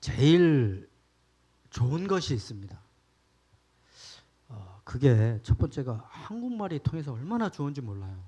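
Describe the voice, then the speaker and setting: Very slowly and with long, frequent pauses, a man speaks in a fairly high, somewhat breathy voice whose pitch swings very widely. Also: big swings in loudness. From South Korea. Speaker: missionary preacher. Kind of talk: sermon. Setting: church. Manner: conversational, humorous asides to congregation.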